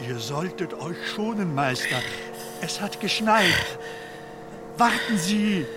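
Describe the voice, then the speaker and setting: High-voiced, devoted medieval scribe. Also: male voice, lively intonation, slow, noisy background. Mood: worried, respectful. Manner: formal, archaic, solicitous. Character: devoted, earnest, deferential male medieval scribe. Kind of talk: radio play acting. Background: music.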